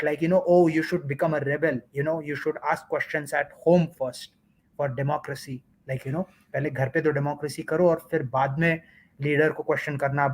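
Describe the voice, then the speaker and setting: A man's voice: on the high side, poor audio. Man peppering talk with "like, you know". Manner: constant "like, you know" fillers. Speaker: guest. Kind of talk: casual commentary chat.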